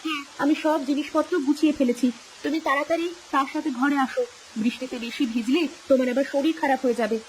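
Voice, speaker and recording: A woman voicing a landlord's caring wife in a cartoon, gentle and reassuring. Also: high-pitched, steady tone, fast talker, a little hiss or hum, close to an everyday voice, low-quality recording. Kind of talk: dubbed cartoon acting.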